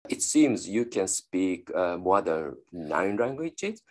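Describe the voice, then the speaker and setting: A man interviews his guest, phrasing questions slowly with frequent "uh"s. His voice sits on the low side, and he often chimes in with soft backchannel sounds. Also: sing-song, soft background music. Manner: hesitant, frequent backchannel "mm-hmm". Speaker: interview host.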